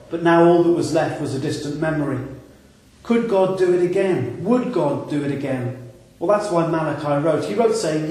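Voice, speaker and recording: Welsh man, pastor, earnest preaching tone, fairly high voice, booming church echo. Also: darkish tone, recorded from a distance. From South Wales. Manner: earnest, rhetorical questions. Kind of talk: scripted sermon series introduction. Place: large empty church. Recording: echoey church hall.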